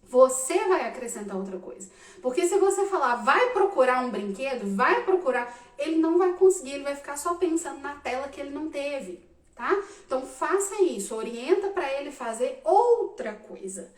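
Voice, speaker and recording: A woman in her thirties, a psychologist giving animated casual advice to parents, often checking in with "tá?". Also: high voice, normal speed. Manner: animated, addresses listeners directly with frequent "tá?". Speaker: psychologist answering parents' questions. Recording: roomy echo, mic at a distance.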